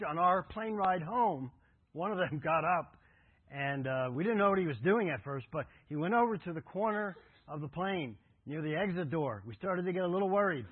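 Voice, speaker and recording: A man's voice: a little high, slightly rough, dry recording. A man preaching a sermon, telling travel stories in a conversational way and then earnestly urging his congregation toward devotion. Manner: conversational storytelling, earnest exhortation. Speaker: pastor. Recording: tinny phone-like audio.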